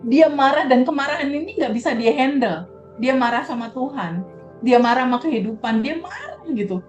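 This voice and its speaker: A woman speaking as a guest coach in a conversational interview, talking softly and slowly and repeating words for emphasis. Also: high-pitched, lively intonation, lo-fi sound, soft background music. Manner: soft, slow, reflective, repeats words for emphasis. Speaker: guest coach on emotional release.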